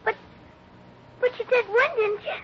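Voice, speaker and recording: A young performer playing an eager, wide-eyed cowboy boy, earnest and excitable, in 1950s radio drama style. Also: very high voice, measured pace. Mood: puzzled, earnest. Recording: muffled old radio recording, faint noise.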